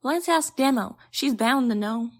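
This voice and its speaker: A woman's voice: high voice, lively intonation, a little slow. A woman playing a matter-of-fact schemer in an audio drama.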